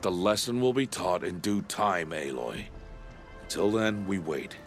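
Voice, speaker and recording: An actor voicing a stern, dutiful older tribal outcast and adoptive father in a video game, speaking in a grave, measured, formal way. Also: low voice, animated, faint music behind. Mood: stern, withholding. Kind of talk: video game dialogue acting.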